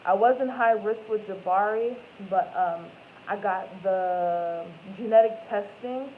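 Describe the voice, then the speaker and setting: This live-stream host, a woman in her twenties, speaks slowly in a mid-range voice as she chats casually with viewers. She rambles, keeps correcting herself, and uses lots of "like" and "um"; the recording is tinny and phone-like, with a faint noise underneath.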